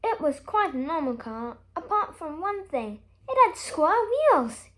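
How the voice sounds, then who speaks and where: A woman reading a children's storybook aloud with expressive, emphatic delivery. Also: high voice, a little slow. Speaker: story reader.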